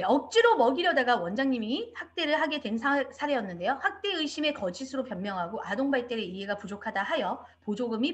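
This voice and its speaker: A woman giving an online training lecture to childcare staff, in an animated instructive way, now and then acting out quoted speech. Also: fairly high pitch. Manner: animated instructive delivery, acts out quoted parents and teachers. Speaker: lecturer on child abuse prevention. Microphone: video call.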